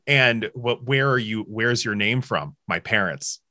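A man from the United States on a casual panel chat, speaking in a hesitant way with halting restarts. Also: fairly low pitch, sharp tone, no echo, studio quality.

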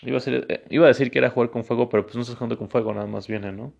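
A man's voice: medium pitch, fairly even intonation, rapid-fire, gravelly. A man hosting a casual solo podcast, talking in an easygoing, rambling, encouraging way. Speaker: podcast host. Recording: dull lo-fi sound.

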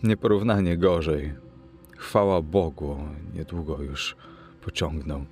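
A sorrowful doctor in a storybook reading, sighing and subdued, worn down and hopeless, voiced by a man. The voice sits very deep, with faint music in the background. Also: a little slow, darkish tone. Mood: despairing. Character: weary, despairing middle-aged male doctor.

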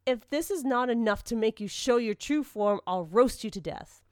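A woman's voice: medium pitch, expressive, measured pace, a little mellow, dry recording, clean studio sound, lightly acted. A woman voicing an obstinate young man in an emphatic, theatrical storybook reading with archaic phrasing. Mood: stubborn, menacing. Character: Tokutaru, obstinate young man, mocking then piteously pleading.

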